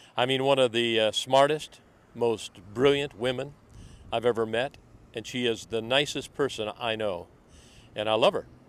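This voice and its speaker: With an American accent, a man at a medium pitch talks at a moderate pace with fairly even intonation. He leaves long, frequent pauses. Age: 60s. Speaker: vlogger, retired former radio disc jockey. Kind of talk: personal video diary monologue. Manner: casual, with hesitations.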